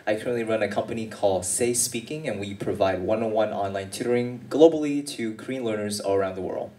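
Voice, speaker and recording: A man's voice: lowish voice, quick pace, warm tone, far from the mic. A young man, articulate and composed as a radio panel guest. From United States. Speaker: guest, business owner. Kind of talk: casual chat on a radio panel. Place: radio studio stage with audience.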